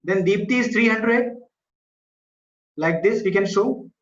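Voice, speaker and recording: A man's voice: sits high, unhurried. A man with a South Asian accent teaching an online school maths class, explaining step by step, repeating himself and checking that students understand. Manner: repetitive, checks understanding with short questions. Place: indoor room, online video class. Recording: muffled, echoey online class audio.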